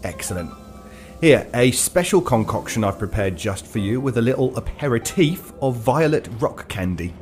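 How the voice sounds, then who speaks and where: An actor playing a polite, wry, uncanny fantasy shopkeeper in a horror audio drama. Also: male voice, medium pitch, expressive, normal speed, a little mellow, natural voice. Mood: genteel, insistent. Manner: polite, wry, arch phrasing. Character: courteous, droll, uncanny fantasy shopkeeper, male. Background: music.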